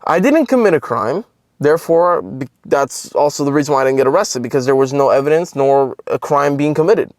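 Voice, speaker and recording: A man's voice: mid-range voice, expressive, brisk, a little mellow, no echo. Profane young man rambling in a dry room. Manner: profane, rambling, heavy filler words. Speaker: content creator. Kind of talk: casual storytelling vlog.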